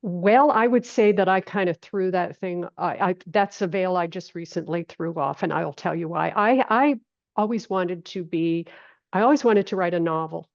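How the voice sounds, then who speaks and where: A woman's voice: on the low side, normal speed, creaky, dry recording. Woman in her 70s from maine chatting as a podcast guest, repeats words for emphasis, dry muffled lo-fi audio. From island off the coast of Maine, USA. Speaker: podcast guest, holistic health teacher. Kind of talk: conversational interview answers.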